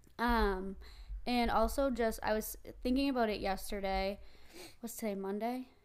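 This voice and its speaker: Fairly high in pitch, a woman speaks at a moderate pace with fairly even intonation and long, frequent pauses, all in audible room echo. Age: 20s. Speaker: podcast host and nurse. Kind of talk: casual chat.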